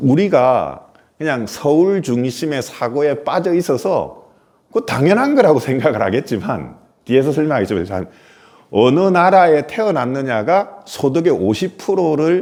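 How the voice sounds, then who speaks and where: A fairly high-pitched man, fairly slow, with very wide pitch swings and audible room echo. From South Korea, Busan. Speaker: politician and former business executive. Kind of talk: lecture.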